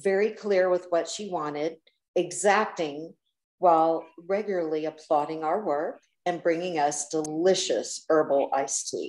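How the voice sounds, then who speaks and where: A woman's ordinary speaking voice, fairly low in pitch with ordinary pitch variation, at a fairly slow pace. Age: 60s. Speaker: poet. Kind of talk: reading aloud. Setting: video call.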